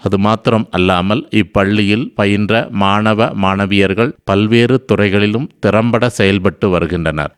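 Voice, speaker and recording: Smooth, low-voiced man giving a formal address. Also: no room sound, studio quality. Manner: measured, formal.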